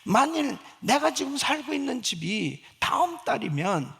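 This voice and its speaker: A man's voice: very high-pitched, sing-song, measured pace, vocal fry, a bit bright, breathy edge. A male pastor preaching a fervent Sunday sermon, often asking the congregation rhetorical questions. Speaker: senior pastor.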